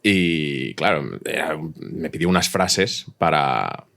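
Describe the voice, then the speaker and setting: A man's voice: extremely low pitch, takes it slowly, creaky, a bit bright. A man with a Spanish accent from Spain telling anecdotes casually and colloquially, with a self-deprecating manner. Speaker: panelist, audio fiction podcaster.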